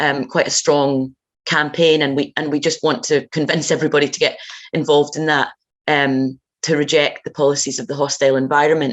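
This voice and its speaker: A woman with a Glaswegian accent speaks at a fairly quick pace. Her very deep, low voice keeps fairly even intonation. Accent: Glaswegian Scottish. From Scotland, Glasgow. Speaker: anti-racism campaigner. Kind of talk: talk to an online meeting. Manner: hesitant, many fillers.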